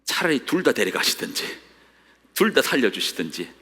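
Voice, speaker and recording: A man's voice: mid-range voice, big pitch swings, normal speed, sharp tone. A middle-aged male pastor preaching a sermon, dramatically voicing the complaints of the faithful with rising cries. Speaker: senior pastor. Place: church sanctuary. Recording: long reverb of a church hall.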